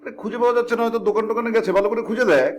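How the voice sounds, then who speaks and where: A man's voice: extremely high pitch, racing, echoey room, slight background noise. An actor playing a drowsy middle-aged man who lectures his family after being woken. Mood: lecturing. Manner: groggy, fussy, lecturing. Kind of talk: TV drama acting.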